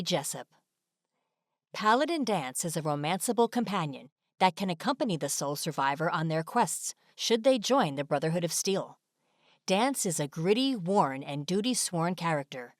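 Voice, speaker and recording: A woman delivers scripted video narration in a fairly low voice. The sound is dry, like a studio voice-over, with no room echo. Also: expressive, normal speed.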